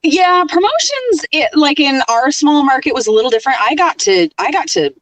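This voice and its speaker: Woman, middle-aged, radio programmer, casual interview, lively storyteller, dry sound, a bit far from the mic. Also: high-pitched, normal speed, no echo. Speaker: radio programmer and on-air host, podcast guest.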